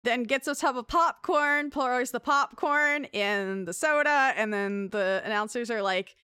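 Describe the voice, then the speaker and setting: A woman's voice: on the high side, unhurried, bright, forceful tone, clear, resonant tone, dry recording, studio quality. A woman casually chatting as a podcast host, animatedly recounting a story and laughing often. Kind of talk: casual chat, recounting a wrestling segment.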